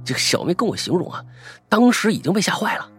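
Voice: mid-range voice, very animated, fast, a bit bright, husky, soft background music. A storyteller narrating a ghost story dramatically, often stammering and repeating words for suspense.

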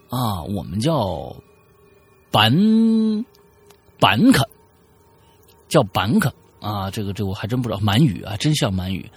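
A man's voice: lowish voice, breathy edge. A man hosting a storytelling podcast, narrating a listener's tale in a chatty way with frequent stammered repeats.

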